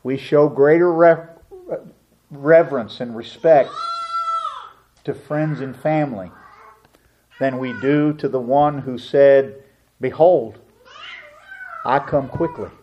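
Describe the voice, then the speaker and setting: A middle-aged man preaching a sermon as a pastor, telling a family story with lively acted-out voices. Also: medium pitch, slow pace, long pauses, dull audio, slight background noise.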